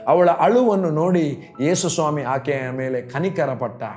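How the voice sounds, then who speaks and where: A man's voice: a little high, a little slow, a little mellow, faint music behind. A man preaching a sermon as a pastor, telling a story and acting out quoted pleas.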